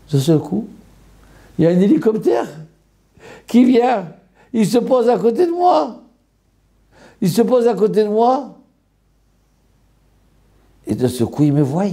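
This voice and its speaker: Gravelly rabbi telling a dramatic story. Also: male voice, on the high side, dark tone. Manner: dramatic storyteller, voicing characters. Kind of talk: storytelling sermon.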